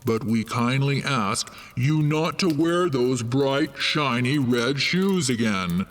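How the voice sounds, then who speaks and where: A man plays a solemn church letter writer in a fairytale. His formal, measured voice rings with long reverb and moves slowly. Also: medium pitch, lively intonation. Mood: solemn admonishing.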